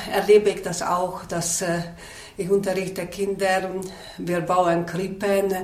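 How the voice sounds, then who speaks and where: A woman from Hungary, introducing herself as an artist and teacher. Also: medium pitch. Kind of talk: radio interview self-introduction. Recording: roomy echo.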